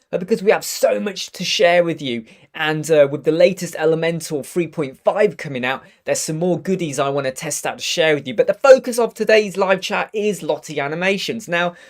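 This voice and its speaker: A man in his thirties with a croaky voice from a cold, chatting upbeat through a live web design tutorial. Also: a little high. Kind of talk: casual live tutorial chat. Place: home studio room with purple lighting.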